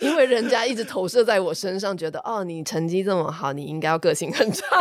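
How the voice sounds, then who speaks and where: A woman with a normal speaking voice talks at a fairly quick pace, her medium pitch carried by lively intonation. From Taiwan, Taichung. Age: 30s. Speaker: lawyer. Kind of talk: casual chat.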